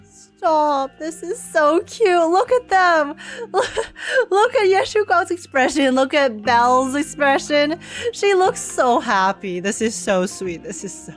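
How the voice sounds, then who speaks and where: Female game streamer, highish voice, excitable casual slangy reactions, music underneath. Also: slow. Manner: excitable, giggly, slangy, swearing. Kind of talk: casual gaming reaction commentary.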